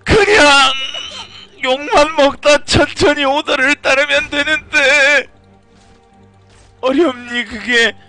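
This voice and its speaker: Excitable high-voiced man commentating a game. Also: slow, soft background music. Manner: excitable, loud scolding at teammates. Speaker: game streamer.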